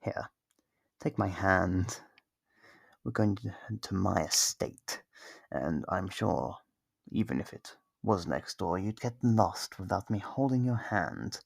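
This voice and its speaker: An actor voicing a smug, possessive, centuries-old vampire in an ASMR roleplay, slow and condescending, with a gravelly, husky voice and whispered phrases. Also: low-pitched, expressive, no echo, full character voice. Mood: possessive, haughty. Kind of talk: ASMR roleplay monologue to the listener.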